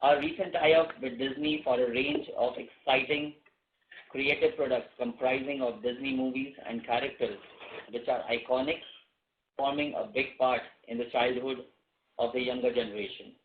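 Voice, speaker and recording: A man's voice: medium pitch, fairly even intonation, normal speed, phone-quality sound. A man with an Indian accent presenting company results in a scripted conference-call style, as an executive reading out figures. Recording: roomy, band-limited conference call audio.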